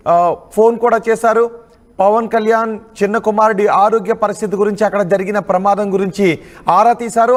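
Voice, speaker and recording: A male news presenter with a Telugu accent and a notably high-pitched voice. He reads scripted news narration, and the sound carries a long reverberant tail.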